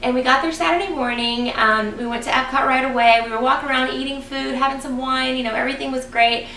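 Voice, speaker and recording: A woman vlogging casually to her viewers, chatty and excited, a little raspy and congested from a cold. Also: high-pitched, quick pace, recorded from a distance, slight background noise. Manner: chatty, excited, lots of ums. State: congested, getting over a cold. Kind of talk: casual vlog talking to viewers. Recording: echoey room, voice a bit off-mic.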